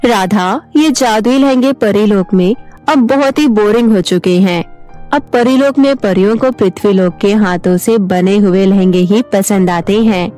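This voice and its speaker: A woman voicing a gentle young fairy bride who asks politely for help, in an animated storybook. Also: mid-range voice, a little slow, soft background music, lightly acted. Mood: pleading. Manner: soft, polite and pleading. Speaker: voice-over artist.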